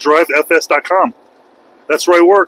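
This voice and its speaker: A man with an American accent speaks at a high pitch. The sound is dry with no echo, over light background noise. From US West (California). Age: 40s. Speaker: truck driver; driver vlogger. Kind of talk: casual vlog chat. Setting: in a truck cab. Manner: jokey, laughs often. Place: car. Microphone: phone near.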